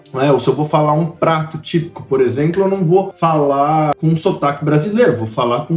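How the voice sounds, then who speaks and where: Noticeable background noise sits behind a man speaking. He talks at a fairly quick pace in a high pitch. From Brazil. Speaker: YouTuber, Brazilian immigrant in Portugal. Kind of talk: casual talk to camera.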